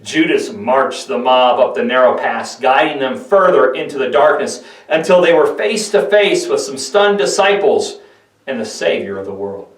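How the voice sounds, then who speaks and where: A man's voice: mid-range voice, expressive, normal speed. A man giving a scripted, dramatic narration of a Bible story with emphatic, theatrical delivery. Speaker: pastor, narrator. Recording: echoey room, distant microphone.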